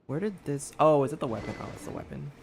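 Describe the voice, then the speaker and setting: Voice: mid-range voice, expressive, quick pace, vocal fry, background noise. A game streamer giving casual, muttered playthrough commentary and reactions.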